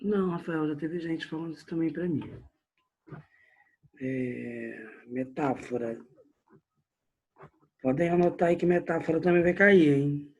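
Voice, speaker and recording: A man's voice: a little high, measured pace, long pauses, a little mellow, breathy edge, muffled recording. A Brazilian man teaching a literature class online, chatty and addressing his students directly. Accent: Brazilian Portuguese.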